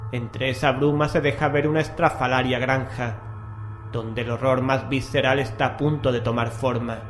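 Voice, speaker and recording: A man's voice: medium pitch, fairly even intonation, moderate pace, slight background noise. Echoey, ominous Spanish male horror narrator. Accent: Castilian Spanish. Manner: ominous, theatrical. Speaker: horror radio show host and narrator. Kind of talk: dramatic scripted horror narration. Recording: roomy echo, music bed. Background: music.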